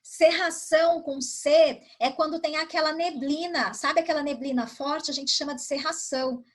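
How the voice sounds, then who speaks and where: A woman's voice: high-pitched, steady tone, moderate pace. A woman primary school teacher reviewing a lesson with pupils over a video call, explaining patiently and asking them questions. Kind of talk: online class review with pupils.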